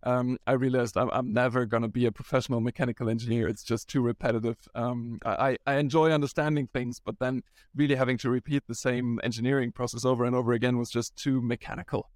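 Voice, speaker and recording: A man's voice: medium pitch, little pitch movement, quick pace, dry recording, clean studio sound. A man from Germany, a startup founder, talking casually in an interview and often restarting his sentences with "um". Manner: rambling, frequent restarts and ums.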